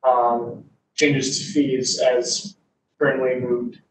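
A man on a school board asking a clarifying question over a video call, halting and starting over. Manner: halting, flat-voiced questioning. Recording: echoey distant video-call audio with faint rumble.

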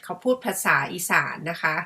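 A woman's voice: moderate pace, pushed and bright. A middle-aged woman from Thailand chatting casually to her viewers in a musing, talkative way. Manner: chatty, musing, refers to herself by her own nickname. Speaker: vlogger. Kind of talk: casual chat to camera.

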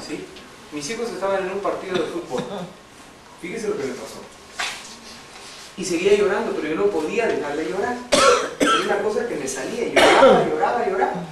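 Preacher in an echoey hall. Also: male voice, high voice. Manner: conversational, asks the congregation questions, tells a story with laughs. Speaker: lay preacher. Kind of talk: preaching testimony to a congregation. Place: church hall. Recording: echoey hall, distant mic, background noise.

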